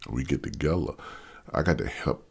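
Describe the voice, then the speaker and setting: A man's voice: rumbling low, expressive, brisk, vocal fry, darkish tone, slightly rough. A man about fifty with a DC-area accent, ranting bluntly to camera and stumbling over restarts in an unscripted vlog. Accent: Maryland / Washington DC area. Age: 50s. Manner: blunt, repetitive, stammers on restarts. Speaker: vlogger. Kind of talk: unscripted opinion rant.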